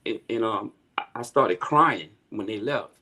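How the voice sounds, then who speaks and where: A man's voice: on the low side, expressive, unhurried, pushed and bright. A man, a podcast guest, telling his life story as a personal testimony, acting out what others said. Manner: storytelling, acting out quoted voices.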